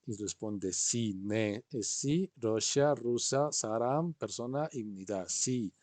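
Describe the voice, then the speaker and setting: A man's voice: medium pitch, slow, darkish tone, dry recording. A man teaching an online class, patiently explaining and often checking in with his students. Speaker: language teacher. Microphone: video call.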